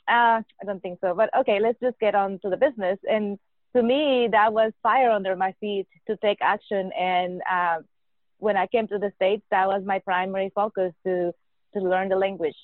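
A woman's voice: mid-range voice, no echo. Woman, 40s, hesitant, laughing, narrow phone-like audio. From Mexico. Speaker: guest, nurse anesthetist. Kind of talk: podcast interview. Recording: dry tinny phone-like line.

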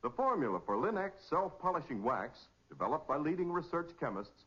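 Male 1940s radio announcer, declamatory and animated, slightly high, scripted sponsor read, dull vintage recording. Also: normal speed, slightly rough. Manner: polished, declamatory.

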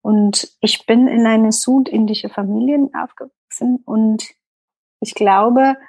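A woman's voice: on the high side, fairly even intonation, slow pace, a little mellow, husky, no echo, rough recording. A middle-aged woman with an Indian accent, a guest in an interview, speaking thoughtfully and searching for words. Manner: thoughtful, searching for words, mixing in English phrases. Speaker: interview guest, yoga teacher. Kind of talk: interview conversation.

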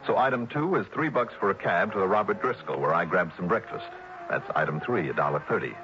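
A man's voice: deep voice, animated, quick pace, music in the background. An actor playing a breezy, joking insurance investigator in a 1960s radio drama, also narrating his expense report. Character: wisecracking male insurance investigator. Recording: dull vintage radio broadcast with faint hiss.

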